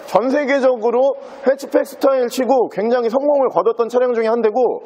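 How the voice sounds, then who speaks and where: A man with a very high-pitched voice presents a used car as its dealer. He delivers a fluent sales patter, moving through the walkaround like a practised car salesman. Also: a little fast, warm tone, muffled recording.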